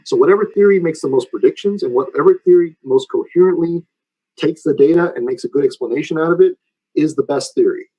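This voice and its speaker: A man's voice: a little high, fast, dark tone, breathy edge, low-quality recording. A man lecturing informally and taking questions, explaining in a conversational way and often checking that listeners follow.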